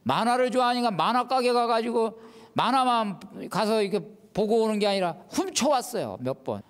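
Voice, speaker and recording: A man's voice: sits high, brisk, big-room sound. A man, a Catholic priest, giving a televised lecture on prayer and acting out the quotes in it. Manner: animated, acts out quotes.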